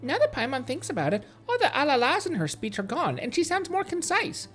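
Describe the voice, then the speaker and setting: A woman's voice: high voice, big pitch swings, a little fast, soft background music. A woman voicing a small, chatty, blunt fairy companion, reading fantasy game dialogue aloud. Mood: suspicious, questioning. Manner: speaks of self in third person, blunt.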